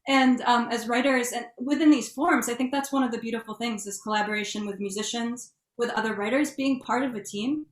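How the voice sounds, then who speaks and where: A woman's voice: fairly high pitch, steady tone, a little fast, few pauses. Woman panelist in an echoey room. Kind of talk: thoughtful panel discussion.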